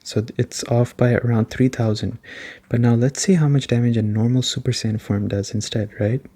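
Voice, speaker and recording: A soft-spoken man giving a relaxed, explanatory gaming chat in an ASMR style, rambling a little as he goes. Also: mid-range voice, normal speed. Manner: rambling, explanatory, often checking in with "right?". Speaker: gaming reviewer and host.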